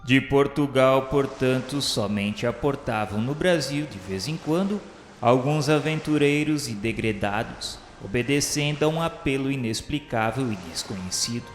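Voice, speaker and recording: A man with a Brazilian accent reading solemn, formal scripted narration for a radio novela in a measured, literary way. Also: medium pitch. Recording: echoey hall reverb, music underneath. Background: background music.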